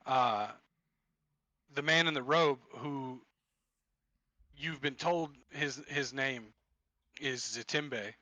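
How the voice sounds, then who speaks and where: A man's voice: medium pitch, slow, pauses often, sharp tone, no room sound, rough recording. A man running a tabletop game over voice chat as game master, describing scenes loosely with many restarts.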